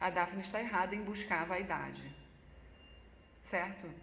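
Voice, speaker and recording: A woman speaks at medium pitch in an animated tone. The room echo is audible. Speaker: spiritual teacher. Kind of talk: vlog monologue.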